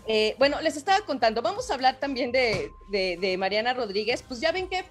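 A woman's voice: fairly high pitch, sing-song, fairly quick, faint music behind. Mexican woman co-host, slangy and chatty. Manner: slangy, addresses listeners as brothers. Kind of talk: casual political gossip chat.

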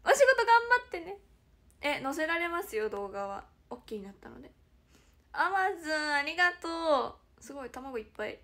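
A young woman hosting a casual livestream chat, giggly and animated, who often drops to a near-whisper. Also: high voice, a little fast. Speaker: idol livestream host.

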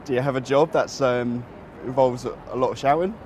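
A man, chatting casually in a hesitant, halting way. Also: medium pitch, steady tone. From England. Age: 30s. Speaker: coaching client. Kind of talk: casual conversation. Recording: clear background noise of busy places.

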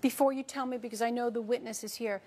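A woman in her forties presiding as judge on a courtroom show, questioning the parties quickly and bluntly with a sarcastic edge. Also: fairly high pitch, steady tone, a little mellow, husky. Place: TV courtroom set.

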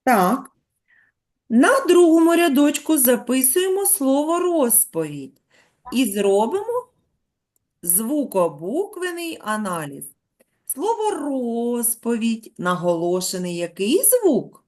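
A middle-aged woman teaching young schoolchildren, her pitch rising and falling lively as she explains. She stretches words out patiently and speaks clearly. She sounds like a teacher in a classroom. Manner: patient, drawn-out dictation to young children. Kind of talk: classroom lesson.

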